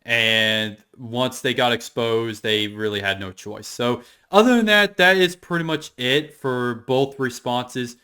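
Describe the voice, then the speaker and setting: A man's voice: medium pitch, a little slow, few pauses, sharp tone, clean tone. A man giving casual, unscripted commentary as an online drama explainer, rambling and repeating his points in an opinionated way. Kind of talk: casual unscripted commentary going through screenshots.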